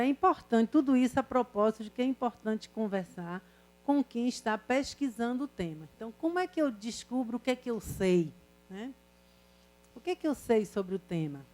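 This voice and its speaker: An older woman university professor lectures to her class, slipping from advice into personal stories. Her voice sits a little high, and she keeps checking in with the students through rhetorical questions. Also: darkish tone.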